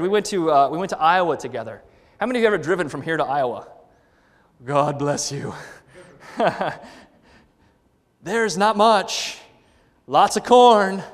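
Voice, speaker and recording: A man's voice: high voice, fairly bright tone, in a large hall. A man preaching a conversational sermon as a guest in a church, asking the congregation questions.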